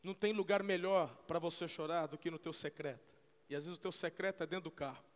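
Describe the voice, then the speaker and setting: A man preaching a sermon, emphatic and repetitive, swinging between loud, fervent peaks and slow, hushed passages. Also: fairly high pitch, steady tone. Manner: emphatic, repeats phrases, frequent hallelujahs. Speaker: pastor. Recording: long hall reverb.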